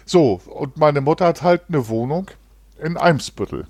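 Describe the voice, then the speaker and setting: A man's voice: fairly high pitch, animated, a little slow, a little mellow, slightly rough, no echo. A man from Hamburg co-hosting a casual podcast chat, telling family anecdotes in an easygoing, agreeable way. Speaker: podcast co-host.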